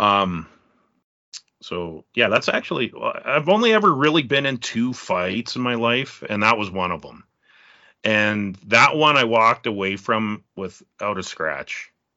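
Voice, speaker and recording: This man speaks with a Western Canadian accent at a fairly slow pace. His intonation is lively. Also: medium pitch for a man. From Canada, Alberta. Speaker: podcaster and blogger. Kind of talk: casual chat. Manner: halting.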